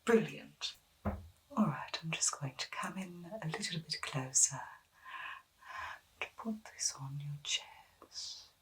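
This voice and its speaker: Slow, whispering eccentric lady doctor played by a woman. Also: low-pitched, lively intonation, recorded from a distance, heavily acted, low-quality recording. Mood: gently attentive. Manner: gentle, polite, soothing bedside instructions. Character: eccentric, courteous female doctor at a secret science syndicate. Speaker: ASMR roleplay performer. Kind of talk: whispered ASMR medical roleplay.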